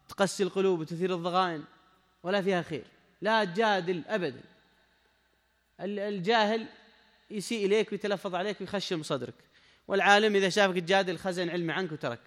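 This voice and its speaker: A man's voice: high-pitched, a bit bright, long reverb tail. A man giving a religious lesson, emphatic and repeating his key phrases as he speaks straight to the listener. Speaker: Islamic scholar giving a lesson.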